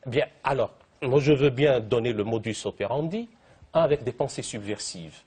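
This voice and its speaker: A man's voice: medium pitch, moderate pace, a little mellow, slightly rough. A man speaking as a guest in a televised debate, eloquent and fond of long, elaborate phrasing. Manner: eloquent, elaborate vocabulary, piles up synonyms.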